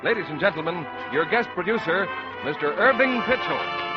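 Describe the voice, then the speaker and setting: Old radio announcer guy, high voice, loud music under him. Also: lively intonation, normal speed, muffled recording.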